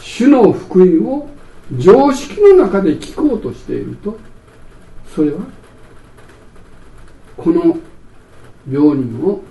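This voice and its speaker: A middle-aged man preaching a sermon as pastor, telling stories animatedly and acting out scenes. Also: high-pitched. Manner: animated storytelling, acts out scenes. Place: church sanctuary. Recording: echoey church hall from far off.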